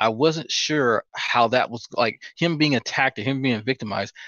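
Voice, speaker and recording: A man with a plain, everyday voice talks at a medium pitch and a moderate pace with ordinary pitch variation. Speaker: podcast co-host. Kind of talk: casual chat.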